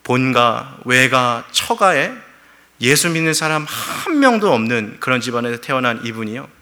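Bright-voiced emotional male preacher. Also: medium pitch, sing-song, normal speed. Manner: emotional storytelling, acts out quoted prayers. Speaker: pastor. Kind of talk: sermon.

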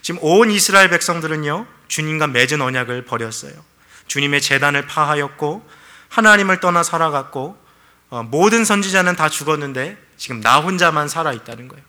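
A man's voice: a little high, expressive, fairly quick, bright, forceful tone. A man preaching a sermon in an earnest way, speaking straight to the congregation and acting out quoted prayers. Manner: earnest preaching, addresses listeners directly, acts out quoted prayers. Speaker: pastor.

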